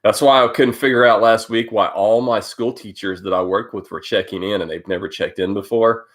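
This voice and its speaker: A man's voice: lowish voice, steady tone, fairly quick, fairly bright tone. A man hosting a casual live stream, stuffed up from a cold, rambling with many fillers as he greets viewers by name. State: congested from a cold. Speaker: host of a live cycling update stream.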